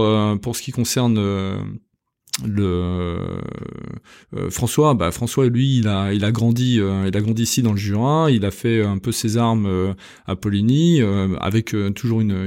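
A man's voice: lowish voice, moderate pace, a little mellow. A man in his fifties from France, a company director talking in a casual interview, hesitant with many fillers and restarts. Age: 50s. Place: company premises.

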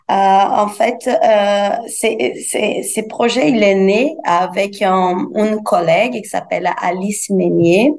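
A woman from Brazil speaks as a research guest. Her voice sits at an ordinary pitch, and she explains carefully, often restarting her sentences. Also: gravelly, a little mellow. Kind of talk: podcast interview answers.

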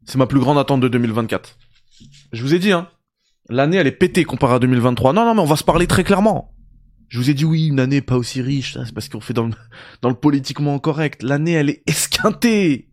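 A man's voice: medium pitch, animated, fast, a little mellow, no echo, studio quality. Sarcastic man ranting about games. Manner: mock-outraged, ironic, familiar. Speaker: gaming video host. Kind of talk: sarcastic gaming rant.

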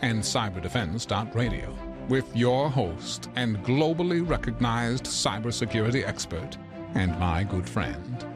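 A man announces a scripted promo at a middle pitch with a smooth promotional delivery. Clear music plays underneath his voice. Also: animated, a little slow. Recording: announcer voice over music bed.

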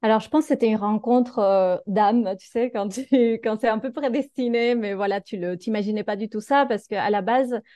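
A woman in her thirties from Argentina speaks as a podcast guest, thinking aloud with many small hesitations. Her voice is mellow and warm, recorded dry and close with no room sound. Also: fairly high pitch, moderate pace, few pauses, no echo. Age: 30s. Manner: reflective, hesitant with many fillers. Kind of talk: casual interview chat.

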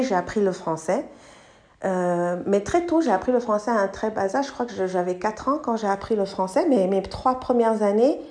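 A middle-aged podcast host from Côte d'Ivoire, a native English speaker, thoughtfully tells her life story in a monologue. She pauses to search for words and drops in English ones, and her voice is warm and on the low side.

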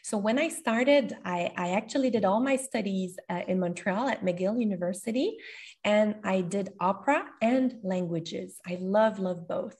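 A woman's voice: medium pitch, moderate pace, a little mellow. Enthusiastic Québécoise woman host. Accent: Quebec French. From Canada. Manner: enthusiastic, effusive praise. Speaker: podcast host and language school representative. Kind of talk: casual interview.

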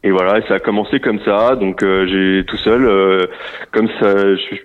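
A man in his thirties talks over a muffled phone line, his voice sitting fairly low. He hesitates a lot and restarts his sentences as he talks about running a wine estate. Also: fairly even intonation, moderate pace. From Normandy, France. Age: 30s. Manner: hesitant, many fillers and restarts. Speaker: winery general manager. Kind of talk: phone interview. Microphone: telephone.

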